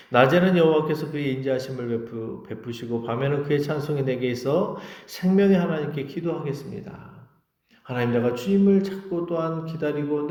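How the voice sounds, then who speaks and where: A man's voice: on the high side, darkish tone, roomy sound. A male pastor preaching a sermon with passion, often voicing prayers aloud in the first person.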